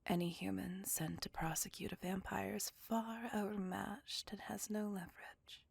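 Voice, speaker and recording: A woman voicing a brooding, possessive female vampire in a whispered ASMR roleplay, speaking in a soft, breathy, gravelly whisper close to the mic. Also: mid-range voice, little pitch movement, unhurried, dry recording. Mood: brooding confessional. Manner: soft confessional whisper throughout.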